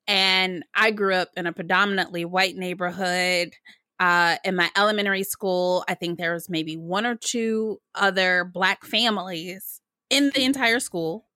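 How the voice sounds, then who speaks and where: A woman's voice: lowish voice, fairly even intonation, measured pace, bright, forceful tone, no room sound, studio quality. An American woman from Michigan with a valley girl way of talking, hosting a podcast in a conversational style. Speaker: podcast host. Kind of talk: conversational interview talk.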